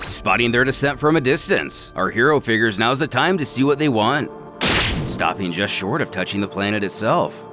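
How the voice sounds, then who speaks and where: A man's voice: mid-range voice, animated, moderate pace. A man delivering scripted, dramatic narration of a story. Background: music.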